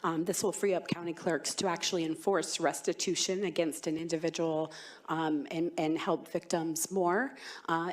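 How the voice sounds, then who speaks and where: A woman lawmaker testifying to a committee, her voice worn by a cold, earnest with many ums. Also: low voice. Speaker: state legislator testifying.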